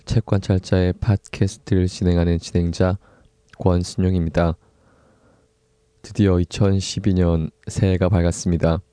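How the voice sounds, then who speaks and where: A young man with a low, deeply mellow voice hosts a solo book podcast. He talks in an unhurried, soft-spoken way, pausing often and laughing lightly now and then. The sound is close and completely dry. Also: little pitch movement, clear, resonant tone, dry recording. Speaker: podcast host.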